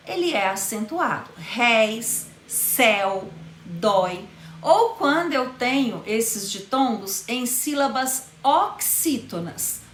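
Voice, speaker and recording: A woman's voice: fairly high pitch, a bit bright, reverberant. A woman teaching a grammar lesson, spelling out rules and stretching the key words as she says them.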